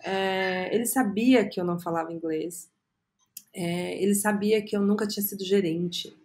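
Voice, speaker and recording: A woman in her thirties with a Brazilian Portuguese accent, a podcast guest telling her career story earnestly and often filling pauses with "é". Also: mid-range voice, steady tone, a little mellow. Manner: earnest, storytelling, frequent "é" fillers. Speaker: guest, agency co-founder. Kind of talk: reflective podcast interview.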